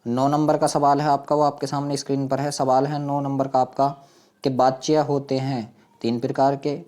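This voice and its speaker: A man's voice: mid-range voice, level tone, moderate pace, a little mellow. A man giving an exam-prep grammar lesson as a teacher, posing questions to listeners and repeating points as he explains. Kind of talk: Hindi grammar quiz lesson, question and answer.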